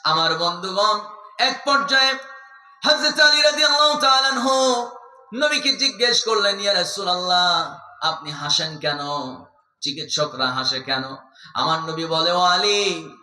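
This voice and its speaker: Fervent young preacher, echoey loudspeakers. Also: male voice, sits high, lively intonation, measured pace, pauses often. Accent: Bangladeshi Bengali. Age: young adult. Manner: fervent storytelling waz delivery, swinging between loud cries and hushed tones. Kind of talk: sermon.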